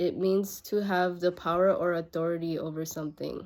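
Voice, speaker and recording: A woman's dark, mellow tone at medium pitch, with monotone, flat intonation. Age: 30s. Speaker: lifestyle vlogger. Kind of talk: casual monologue. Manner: casual, hesitant with fillers.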